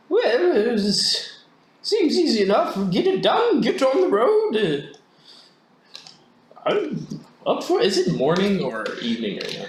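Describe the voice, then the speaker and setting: Using a put-on character voice at an extremely high pitch, a man talks at a fairly slow pace with long, frequent pauses and slight echo. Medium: actual play. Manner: formal, mannered phrasing.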